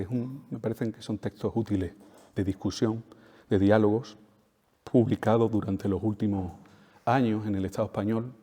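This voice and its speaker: A man's voice: on the low side, mellow. Emphatic man lecturing in a reverberant hall. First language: Spanish. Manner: emphatic, repeats key phrases, tag questions. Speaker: speaker at a talk. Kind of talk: lecture to an audience.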